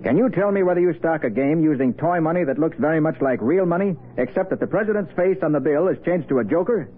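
An actor playing a shrewd, confident male private detective in a 1940s radio drama, brisk and authoritative. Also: a little high, expressive, natural voice. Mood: businesslike. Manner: brisk, authoritative, reasoning aloud. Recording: tinny, faintly noisy vintage radio recording.

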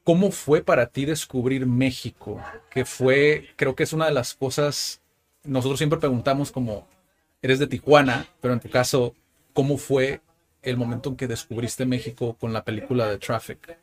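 Un presentador de podcast que conduce una entrevista relajada. Su voz tiene un tono medio. Pregunta con soltura, con un trato cercano y muletillas como "¿no?". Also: male voice, medium pitch, fairly even intonation, normal speed. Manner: friendly, loose, frequent "¿no?" tags. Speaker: podcast host, interviewer. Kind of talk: casual interview. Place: indoor arcade.

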